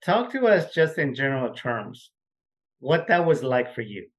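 A man hosting an interview podcast, opening with a formal, measured introduction before asking his guest questions. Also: medium pitch, very animated, lo-fi sound. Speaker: podcast host. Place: Texas.

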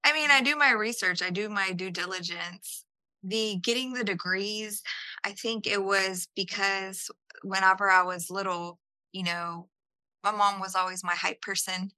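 A woman with a very bright, forceful voice talks through her answers in a chatty, unpolished way, often restarting her words. The recording is dry and close, with no room sound. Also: mid-range voice, steady tone, measured pace, no echo, poor audio. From El Salvador, raised in Houston. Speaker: podcast guest. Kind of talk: conversational interview answers.

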